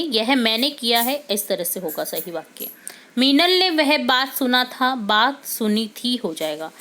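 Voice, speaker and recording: A woman teacher with a somewhat high voice goes through a workbook answer by answer. She explains patiently, step by step, and keeps checking in with her students as she moves from one item to the next. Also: pushed and bright. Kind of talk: worksheet solution lesson.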